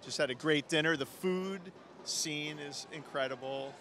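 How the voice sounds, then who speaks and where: A man's voice: a little high, a little slow, a bit bright, slight background noise. A man from the United States visiting a festival, talking enthusiastically in short, clipped phrases. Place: outdoors on a city street.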